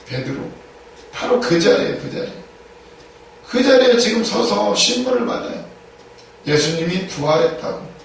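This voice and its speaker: Male pastor delivering an emphatic sermon, heavy room echo from a distant mic. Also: high-pitched. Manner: emphatic, repeats key phrases, asks rhetorical questions. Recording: echoey room, distant mic, faint noise.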